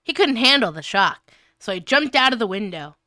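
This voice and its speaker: A woman with a high, bright voice reads a story aloud in a casual livestream manner. She takes her time, often cracking up and tossing in crude asides, with a crisp, clean delivery. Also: very animated, normal speed, no room sound, studio quality. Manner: giggly, often breaking up while reading; crude, swearing banter. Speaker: stream co-host reading fan fiction aloud.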